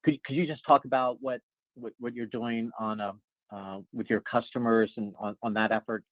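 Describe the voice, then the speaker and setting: A man working as a financial analyst, asking earnings-call questions haltingly and repeating his words. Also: medium pitch, steady tone, no echo. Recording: tinny, dry phone line.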